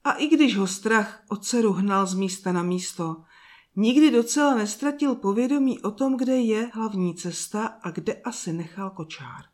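Calm woman reading a children's tale. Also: medium pitch. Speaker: storyteller. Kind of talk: scripted storybook narration.

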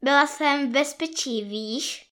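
Tiny excited girl, super high and bright, storybook voice. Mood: earnest. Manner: excited exclaiming child voice. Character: small joyful girl, daughter of a knight.

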